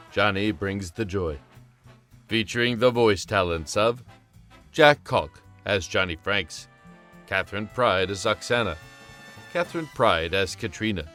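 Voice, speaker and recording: Man, low pitch, scripted credits announcer, soft guitar music behind.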